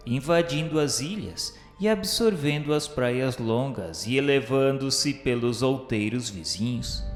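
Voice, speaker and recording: A man with a Brazilian accent reading scripted, literary radio narration in a solemn, grandiloquent, formal manner. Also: medium pitch. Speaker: narrator of a religious radio novela. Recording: echoey hall-like reverb, music underneath. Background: music.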